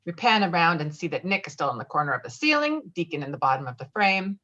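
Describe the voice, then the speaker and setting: A woman's voice: on the low side, big pitch swings, fast, sharp tone. A woman reading scripted stage directions as a narrator, heard on muffled audio. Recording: dull, muffled online call audio.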